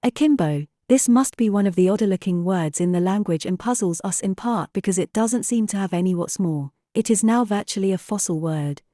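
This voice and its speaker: A woman's voice: medium pitch, fairly quick, few pauses, dark tone, dry recording, studio quality. A woman reading a prepared passage aloud as an exam practice example. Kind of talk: scripted read-aloud.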